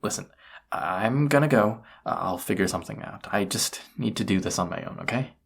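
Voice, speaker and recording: A young man playing a flustered, lovestruck incubus in an intimate romantic audio roleplay, speaking haltingly in a breathy, husky voice. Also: on the low side, expressive, full character voice. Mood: flustered, defensive. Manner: halting, hesitant delivery with stammers.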